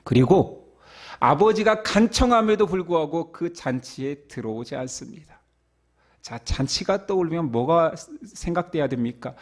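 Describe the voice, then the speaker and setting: A man delivering a Sunday sermon as pastor, his voice sitting a little high and moving a lot. He slips into the parts of the story's figures in quoted voices. He often lets the ends of his phrases sink into a near-whisper. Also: normal speed. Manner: animated, acts out the parable's characters in quoted voices.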